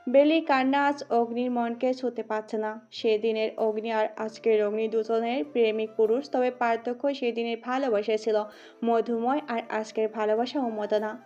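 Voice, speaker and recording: A woman narrates a scripted audio story at a moderate pace, steady and dramatic in delivery. Her voice is slightly high yet dark and mellow in tone. The recording sounds dull and muffled, with soft music playing beneath her.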